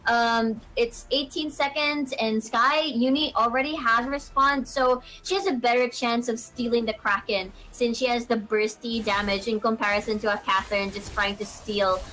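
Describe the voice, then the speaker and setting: A woman's voice: on the high side, steady tone, moderate pace, hardly any pauses, fairly bright tone, poor audio. A woman giving analytical color commentary on an esports match, explaining the strategy.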